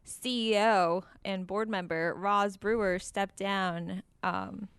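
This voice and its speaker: A woman's voice: medium pitch, fairly even intonation, slow, fairly bright tone, clear, resonant tone, no room sound. A woman co-hosting a casual business podcast, chatty and amused. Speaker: podcast co-host. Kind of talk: casual chat.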